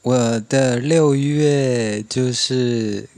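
A man's voice: mid-range voice, drawn-out words, darkish tone, dry recording. A man with a Taiwanese Mandarin accent chatting casually. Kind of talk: casual chat.

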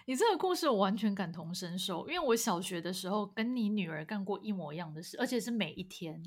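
A woman, co-hosting a casual chat podcast and responding warmly with her own stories. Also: medium pitch, animated, fast, breathy edge. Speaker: podcast co-host.

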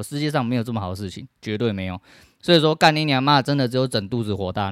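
A man's voice: medium pitch, clear, resonant tone, no echo, clean studio sound. Angry, foul-mouthed Taiwanese man ranting. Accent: Taiwanese Mandarin. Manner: swears constantly, shouts in bursts of anger. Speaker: podcast host. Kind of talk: profane solo rant.

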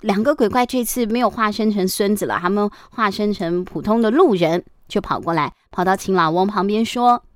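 A woman reading a picture book aloud to children as a bedtime storyteller, lively and chatty, often asking the kids questions. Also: medium pitch, brisk, hardly any pauses, no room sound, clean studio sound. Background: background music.

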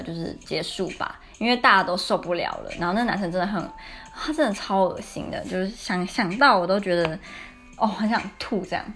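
A woman's voice: mid-range voice, a bit bright. A young woman from Taiwan with a Taiwanese Mandarin accent, hosting a podcast and telling personal stories in a chatty, candid, confiding way. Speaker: podcast host. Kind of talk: casual storytelling chat.

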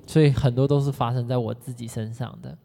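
An excitable speaker tells customer stories in a casual podcast chat. The voice often jumps up in pitch as the tales build. A long, hall-like reverb trails after each phrase. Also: quick pace, creaky. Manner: animated, excitable storyteller. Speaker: podcast co-host, former education sales consultant.

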